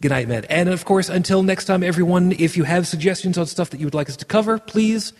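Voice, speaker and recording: Male podcast host, mid-pitch, husky, rambling fillers, reverberant sound. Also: fast talker, darkish tone. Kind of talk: casual chat and show sign-off.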